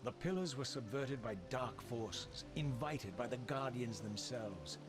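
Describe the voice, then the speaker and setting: An actor playing an eloquent, bitterly accusing undead wraith in a video game, with formal, theatrical, deliberate diction. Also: male voice, mid-range voice, animated, natural voice. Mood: coldly argumentative. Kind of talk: dramatic video game narration and dialogue. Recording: music behind the voice.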